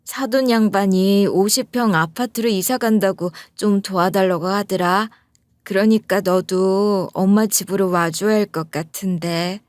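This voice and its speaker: A woman voicing a meek, gentle elderly mother who speaks slowly and softly in a story reading. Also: medium pitch, fairly even intonation, no echo, lightly acted. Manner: slow, soft-spoken.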